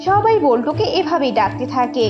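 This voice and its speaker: A woman's voice: high voice, very animated, moderate pace. A woman narrator reading a scripted storybook cartoon tale. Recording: dull lo-fi audio with loud music.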